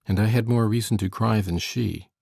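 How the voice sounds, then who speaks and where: A sullen, brooding teenage boy, as a woman reader puts him on, with a deep, gravelly, husky voice. He talks slowly and sulkily, and the sound is close and dry. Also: dark tone, dry recording, full character voice. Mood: sulky. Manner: slow, gruff, low and sulky.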